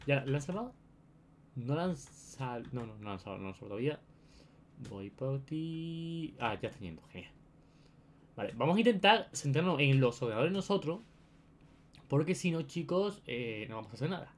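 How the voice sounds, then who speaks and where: A man's voice: medium pitch, very animated, moderate pace, slight background noise. A young man with an accent from Spain giving casual, chatty gameplay commentary to his viewers, often repeating his phrases. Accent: Spain Spanish. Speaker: gaming video host.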